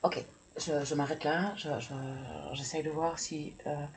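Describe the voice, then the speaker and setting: Card reader, female, casual, stammers while thinking aloud, unhurried delivery. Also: low-pitched, steady tone, background noise. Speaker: tarot and oracle card reader. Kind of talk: casual card-reading video.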